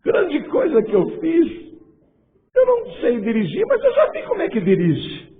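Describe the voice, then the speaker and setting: A preacher doing an earnest humble young recruit. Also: male voice, very high voice, wildly swooping pitch, moderate pace, pitched above the performer's own voice, full character voice. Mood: bewildered. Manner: pleading, earnest. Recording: tinny lo-fi church recording with long reverb.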